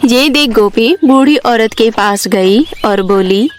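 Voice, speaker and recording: A woman's voice: on the high side, slow, soft background music. A woman giving scripted narration of a bedtime story for children.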